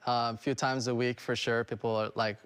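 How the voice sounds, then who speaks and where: Young adult man, restaurant owner guest, casual and friendly, smooth clear voice, mid pitch. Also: fairly quick. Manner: relaxed, friendly, heavy fillers like "um" and "for sure". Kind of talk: casual interview.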